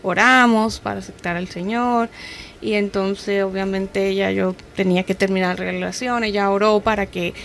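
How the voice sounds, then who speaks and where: Casting: Colombian woman, mid-pitched voice, conversational testimony storyteller, faint noise behind. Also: fairly even intonation, moderate pace, creaky, a bit bright. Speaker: guest giving her testimony.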